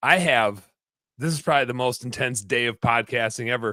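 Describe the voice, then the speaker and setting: In a Minnesotan accent, a man talks at a fairly quick pace with a bright, sharp tone, medium pitch and ordinary pitch variation, on a very clean recording with a silent background and a dry, close sound with no echo. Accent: Minnesota. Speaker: podcast host. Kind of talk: casual panel chat.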